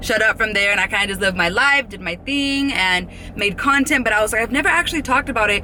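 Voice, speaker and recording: Over noticeable background noise, a woman talks very fast in an animated tone with lively intonation. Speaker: YouTuber. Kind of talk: casual vlog talk to camera.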